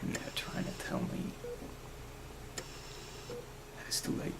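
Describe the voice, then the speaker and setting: A man playing a grieving, brooding asylum director in a fan web drama, speaking in a halting, deliberate way. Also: lightly acted. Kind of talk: acted dramatic monologue in a fan web series. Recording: clearly noisy amateur recording with ambience.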